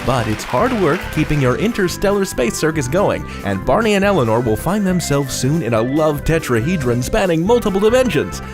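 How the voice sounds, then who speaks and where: A man delivers a scripted promo for a podcast with lively, swinging pitch. His delivery is theatrical and playful, as a trailer announcer. Music plays clearly behind him. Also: a little fast, few pauses. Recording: music under the voice.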